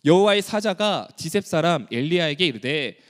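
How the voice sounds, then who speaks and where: High, lively-voiced male preacher. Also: moderate pace. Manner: emphatic preaching with rhetorical questions. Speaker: pastor. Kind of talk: sermon. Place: church sanctuary. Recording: long church hall reverb.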